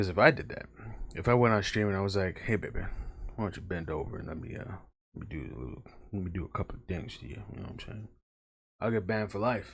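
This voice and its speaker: In a fairly low voice with vocal fry, a man speaks at a very fast pace, his loudness swinging widely while his pitch varies in an ordinary way. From New York. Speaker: podcaster and game streamer. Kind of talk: casual monologue.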